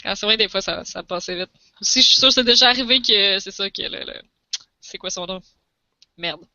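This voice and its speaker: A woman with a Quebec French accent chatting quickly and animatedly on a podcast. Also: mid-range voice, bright, forceful tone, dry recording, highs cut off. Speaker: podcast co-host. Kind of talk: casual chat.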